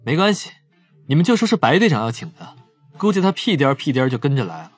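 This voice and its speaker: An actor playing a wry, shrewd young police profiler in an audio drama. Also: male voice, a little high, big pitch swings, fast talker, slightly rough, dry recording. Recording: faint music under the voice.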